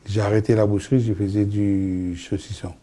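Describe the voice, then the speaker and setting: A man's voice: on the low side, little pitch movement, moderate pace, dark tone. An older man from Mauritius, a company founder, answering interview questions in short plain sentences.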